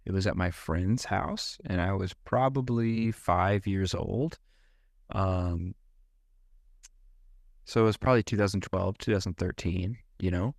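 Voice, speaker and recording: A young man co-hosting a movie podcast, telling lively stories from childhood with his voice jumping up for quotes. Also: unhurried, creaky, no echo, studio quality. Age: young adult. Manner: animated storyteller, jumps pitch for quoted voices. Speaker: podcast co-host. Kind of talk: casual chat about movies.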